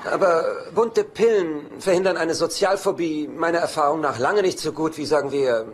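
Actor as dry, sarcastic brother, noisy track. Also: male voice, a little high, normal speed, close to an everyday voice. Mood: sardonic. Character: cynical, womanizing, teasing laid-back middle-aged brother. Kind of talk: dubbed sitcom dialogue. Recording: noisy TV soundtrack rip.

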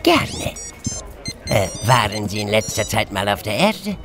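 An actor playing a stilted, slyly amused alien client in a science fiction radio play, formal and halting, with odd chuckles. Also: male voice, fairly low pitch, sing-song, a bit bright, exaggerated voice. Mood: courteous, eager. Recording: music under the voice.

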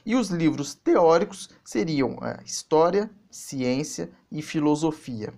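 A man in his thirties commenting on a book in a casual video, explaining with animation. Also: fairly high pitch. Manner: animated, gestures while explaining. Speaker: channel host reviewing a book. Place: small office indoors.

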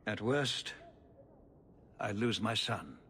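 An actor playing a dignified, worried older nobleman and father in a video game, speaking formally and gravely, with a pleading manner. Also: on the low side, expressive, slow pace, fairly bright tone, exaggerated voice.

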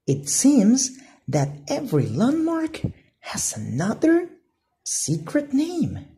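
A woman voicing an excited, adventurous young boy explorer in a storybook, with hushed, urgent eagerness. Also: sits high, slow pace, voice pushed up, heavily acted. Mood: excited, secretive.

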